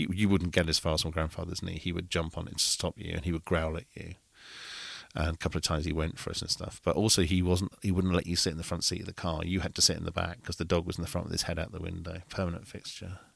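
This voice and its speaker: With a British accent and a very deep, low voice, a man talks at a very fast pace in monotone, flat intonation on a very clean recording with a silent background. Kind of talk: casual chat.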